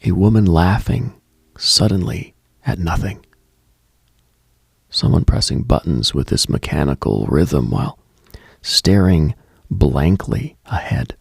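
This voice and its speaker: A man hosting late-night radio with a brooding, deliberate scripted monologue in a hushed, husky, gravelly voice. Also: low-pitched, animated, no room sound, clean studio sound.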